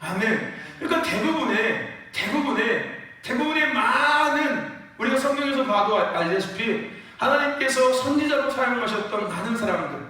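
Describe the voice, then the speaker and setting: Animated preaching man in echoing sanctuary. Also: extremely high pitch. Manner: animated preaching, rising to shouts, calls for amens. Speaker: pastor. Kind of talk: sermon. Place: church sanctuary. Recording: echoey church hall from far off.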